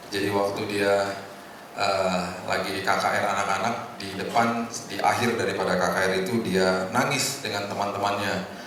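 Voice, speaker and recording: A middle-aged man preaching informally to a congregation in a conversational, joking way, with hesitant pauses. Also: fairly low pitch. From Indonesia. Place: large echoing indoor hotel hall. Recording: echoey hall, distant mic, noisy room.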